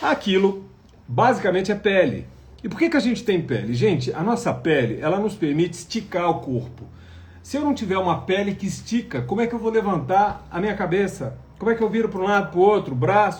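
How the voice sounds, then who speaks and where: The speaker's tone is animated and the intonation lively. Delivery moves at a fairly quick pace. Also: man, high pitch for a man. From Minas Gerais, Brazil (Patos de Minas). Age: 50s. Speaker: plastic surgeon. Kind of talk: live stream talk to viewers.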